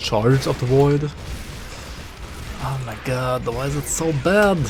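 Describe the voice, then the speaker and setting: Music plays in the background as a man speaks at a very slow pace with a medium pitch. His pitch varies in an ordinary way, and the room echo is audible. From Germany. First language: German. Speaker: video game streamer. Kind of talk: live gameplay commentary. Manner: animated.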